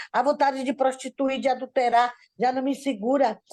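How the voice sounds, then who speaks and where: Her pitch high, a woman talks at a moderate pace. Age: 60s. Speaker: participant in a group devotional. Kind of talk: testimony. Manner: halting.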